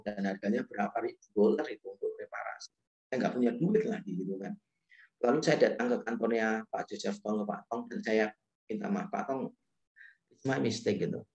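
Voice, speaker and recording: A middle-aged man, a pastor, giving a relaxed sermon talk, telling stories and acting out quoted dialogue with lots of fillers. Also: mid-range voice, reverberant. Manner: casual storytelling with frequent fillers and quoted dialogue.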